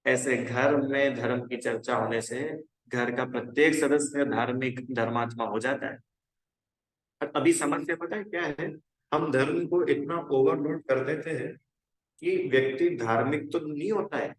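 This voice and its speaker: This rough, reverberant recording captures a man's unhurried, mid-range voice as he gives a relaxed spoken lesson on religion to a youth class. Chatty and encouraging, he regularly stops to check that the young people understand.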